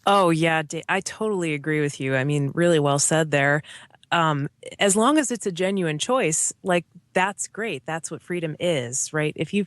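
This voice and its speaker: A woman's voice: sits low, normal speed, no echo, clean studio sound. A woman in her thirties, a guest in a casual interview, talking earnestly and thoughtfully, often tagging on "like" and "right?". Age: 30s.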